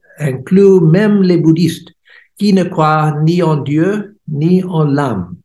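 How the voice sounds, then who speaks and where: With an American accent and a dark, mellow tone, a man speaks at a very slow pace, fairly high in pitch with ordinary pitch variation, amid audible room echo. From US. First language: English (speaking French). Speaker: monk and lecturer. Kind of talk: read-aloud lecture. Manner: halting.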